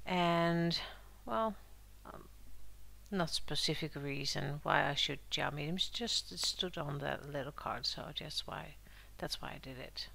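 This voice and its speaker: The host of an art journaling channel narrates a laid-back craft tutorial, feeling a bit sick, so her voice goes squeaky at times and has a slightly slow, creaky quality. She chats through each step in a relaxed way, full of fillers and soft little laughs.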